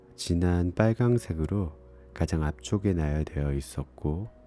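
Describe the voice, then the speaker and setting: In a calm, soothing tone, a man speaks very slowly with a very deep, low pitch and lively intonation. Music plays in the background. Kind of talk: fiction reading.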